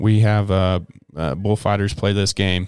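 This man talks with an Upper Midwest accent at a fairly low pitch and a moderate pace, with ordinary pitch variation. The recording is very clean, with a silent background. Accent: Upper Midwest American. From North Dakota. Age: 20s. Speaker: professional bullfighter. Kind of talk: casual chat. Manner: animated.

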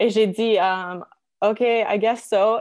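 A fairly high-pitched woman with an English accent speaks at a very slow pace with fairly even intonation. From Alberta, Canada (Edmonton). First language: English (speaking French). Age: 20s. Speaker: model and marketer. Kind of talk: casual interview. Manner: halting, mixes English and French.

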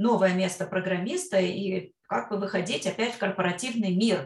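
Moving at a moderate pace, the speech has a somewhat breathy quality. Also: woman. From Russia, Kostroma. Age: 50s. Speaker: speech therapist and women's coach. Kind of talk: interview conversation.

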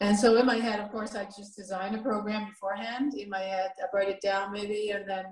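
A woman speaks at medium pitch. Her intonation stays fairly even. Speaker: personal trainer and gym manager. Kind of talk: casual interview.

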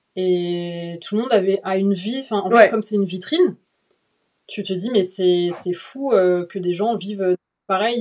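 A woman speaks in a plain, everyday voice at a medium pitch with ordinary pitch variation. Her pace is fairly slow, and her loudness swings widely. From Paris suburbs, France. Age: 20s. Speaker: freelance journalist. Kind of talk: casual chat.

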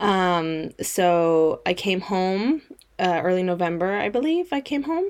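Recorded very cleanly against a silent background, a woman with a plain, everyday voice speaks fairly slowly at medium pitch with lively intonation. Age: 20s. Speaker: university student. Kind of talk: casual chat.

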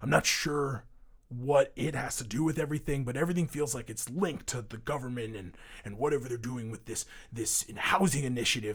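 A man does a raspy, put-on character voice at a medium pitch with ordinary pitch variation. He moves at a fairly quick pace, and his loudness swings widely. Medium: actual play. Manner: earnest, officious.

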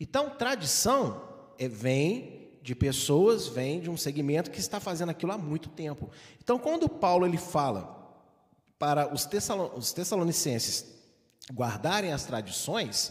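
Speaking at a fairly slow pace, a man uses a fairly high voice with vocal fry and very wide pitch swings. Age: 40s. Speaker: pastor. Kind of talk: sermon.

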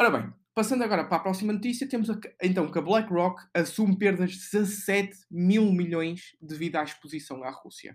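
Spoken at a moderate pace with a European Portuguese accent, this is a very clean recording over a silent background. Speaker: finance podcast host. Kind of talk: solo news roundup, casual. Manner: halting, many fillers and repetitions.

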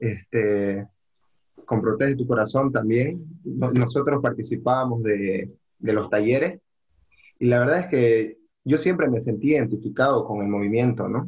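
A man with a medium pitch and a somewhat breathy voice talks at a fairly slow pace with ordinary pitch variation. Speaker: university student.

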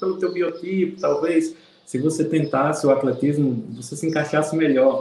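Noticeable background noise sits behind a man's fairly high voice. He speaks at a moderate pace. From Paraíba, Brazilian Northeast. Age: 30s. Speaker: psychologist and Paralympic shot-put athlete. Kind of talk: casual interview chat.

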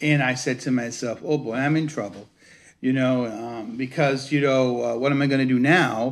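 The speaker's intonation is fairly even, and audible room echo surrounds the voice. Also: man. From Cuba, moved to US as a child. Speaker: pastor. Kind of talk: sermon. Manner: halting, many fillers.

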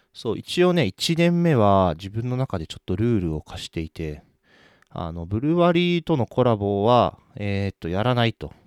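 A man speaks at a moderate pace with very wide pitch swings and big swings in loudness, recorded with a dry, close sound and no echo. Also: medium pitch for a man, very clean recording, silent background. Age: 30s. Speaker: brewer and podcast host. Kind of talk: casual solo monologue.

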